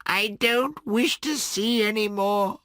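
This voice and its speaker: A man voicing an old miserly man who pleads in high, strained cries. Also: slow, bright, forceful tone, no echo, exaggerated voice. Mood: anguished.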